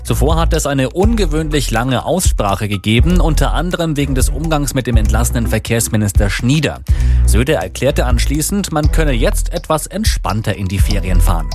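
A man reading the radio news in a formal, even manner. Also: mid-range voice, moderate pace, over music. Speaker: newsreader.

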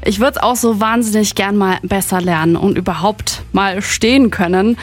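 A woman's voice: mid-range voice, normal speed. A woman from Franconia hosting a radio interview, asking questions in a friendly, encouraging way with frequent affirmations. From Germany (Franconia, Nuremberg). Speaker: radio host.

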